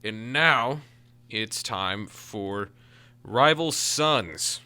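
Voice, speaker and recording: A man's voice: on the low side, lively intonation, drawn-out words, pushed and bright, smooth. An American man working as a radio DJ, announcing music and chatting in a casual, enthusiastic way.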